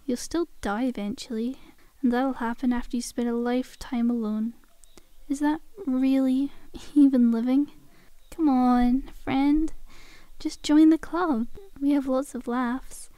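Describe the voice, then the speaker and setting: A woman's voice: high-pitched, fairly even intonation, unhurried, warm tone, dry recording. A woman playing a cheeky, cajoling undead zombie girl in an ASMR roleplay, with a casual, teasing, conversational delivery. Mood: cajoling, upbeat.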